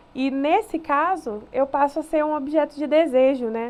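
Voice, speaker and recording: Pitch variation is ordinary. The speaker is a woman. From Bahia, Brazil. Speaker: nurse and ear piercer. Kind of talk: interview.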